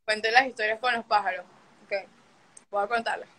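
A woman's voice: mid-range voice, fairly even intonation, moderate pace, fairly bright tone. A young woman, hosting a livestream and telling a story casually and animatedly, swearing often and acting out the scenes. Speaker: livestream host.

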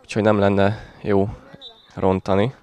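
A man's voice: lowish voice, level tone, darkish tone. A man giving conversational live football commentary in short calls, outdoors at a small ground.

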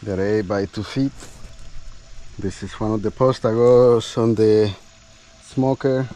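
A low-voiced man talks slowly while working outdoors at a building site, a bushcraft host musing in short phrases that trail off. His tone is steady and mellow as he chats casually.

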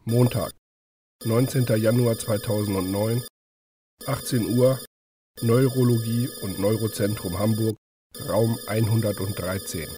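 A man's voice: fairly low pitch, fairly even intonation, measured pace, over music, lightly acted. A man giving a scripted scene announcement in an audio drama.

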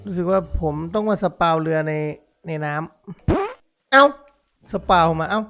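A man giving excited game commentary to his viewers, exclaiming and laughing often. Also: sits high, a little fast. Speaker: gaming YouTuber.

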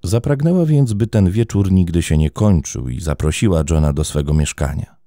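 Deep mellow guy narrating true crime, dramatic, dry close sound. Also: normal speed, no echo. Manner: expressive, theatrical storytelling delivery.

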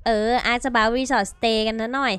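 Woman, gaming host, casual let's-play chatter, playful exclamations, smooth clear voice, dry close sound. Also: fairly high pitch, steady tone, a bit bright, no room sound. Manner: chatty and playful, talks to viewers; quick exclamations and gasps.

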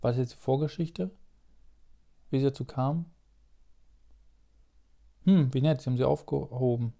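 A man's voice: medium pitch, normal speed, vocal fry, dark tone. A man chatting and joking in a self-mocking way as he comments on a video game. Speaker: let's play commentator. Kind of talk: casual gameplay commentary.

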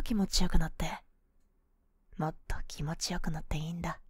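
A woman voicing a cool, boyish young woman, a possessive and sweetly manipulative lover, in an ASMR role-play of intimate pillow talk, soft, breathy and coaxing, close to the microphone. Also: medium pitch, no echo, close to an everyday voice. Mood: soothing, hypnotic. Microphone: close microphone, dry.

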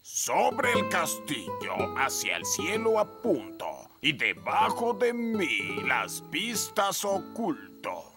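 A man voicing a jolly old elf pirate with a gravelly voice and Latin American Spanish accent, hearty and theatrical, in a children's cartoon. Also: a little high, wildly swooping pitch, slow, hardly any pauses, full character voice. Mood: theatrical, mysterious. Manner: hearty, theatrical, calling others sweet pet names. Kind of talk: animated children's cartoon dialogue. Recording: loud music under the voice.

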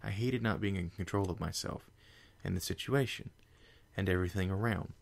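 A man voicing a panicky young female unicorn scholar in a fan story reading, raising his voice high. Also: brisk, vocal fry. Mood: confessional. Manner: frantic, high-pitched and breathless.

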